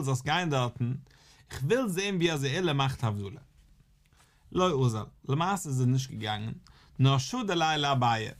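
A male rabbi gives a Talmud study lesson. He reads the text line by line, then explains it. His voice sits a little high for a man. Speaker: rabbi teaching a daily Talmud page.

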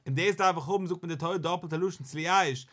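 A man, a rabbi, teaching a Talmud lesson in an animated, questioning sing-song that rises and falls. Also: on the high side, fast.

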